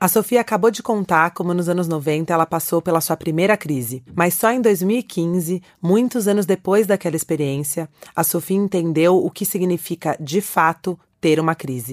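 A woman talks in an ordinary speaking voice at a moderate pace, fairly low in pitch with ordinary pitch variation and hardly any pauses. The sound is dry and close, with no echo. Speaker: podcast host, business organization director. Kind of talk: scripted narration.

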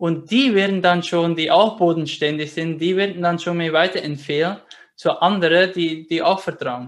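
In a Dutch accent, a man speaks at a high pitch and moderate pace with fairly even intonation over a quiet background. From Belgium, Flemish. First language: Dutch (speaking German). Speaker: life coach and entrepreneur. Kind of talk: casual interview. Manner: halting.

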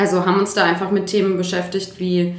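Against audible room echo and noticeable background noise, a woman speaks at a medium pitch with flat, monotone intonation. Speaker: organisational development facilitator. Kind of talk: casual chat.

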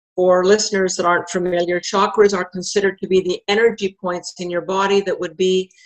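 A woman talks in a Canadian accent at a moderate pace. Hers is a normal speaking voice, medium in pitch. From Saskatchewan, Canada. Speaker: meditation teacher, former corporate executive. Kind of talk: interview; guided meditation. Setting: remote call from lake house.

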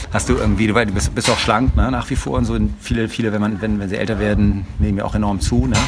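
Very fast, almost unbroken speech from a man with a fairly low pitch and very wide pitch swings, plus audible room echo and noticeable background noise. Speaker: physician and podcast host. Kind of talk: casual interview. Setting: outdoors on a beach.

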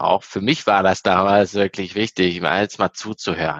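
At a fairly slow pace, the voice comes across bright and sharp, with a dry, close sound and no echo. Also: man. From Italy. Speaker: sales professional. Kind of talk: podcast interview.

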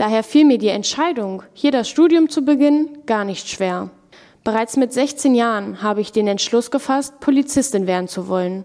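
Her voice fairly high in pitch with a dark, mellow tone, a woman talks at a moderate pace. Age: 20s. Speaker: police cadet and podcast host. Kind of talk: scripted narration.

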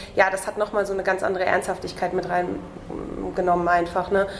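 Noticeable background noise sits behind the voice. A woman speaks at a moderate pace. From Cologne area, Germany. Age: 30s. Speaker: children's book publisher founder, education project manager. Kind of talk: casual interview.

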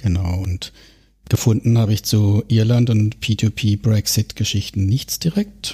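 Very slow and fairly even in intonation, a man speaks with fairly low pitch. His tone is dark, mellow and somewhat breathy. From southern Germany. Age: 40s. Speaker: private investor, IT worker. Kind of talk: casual chat.

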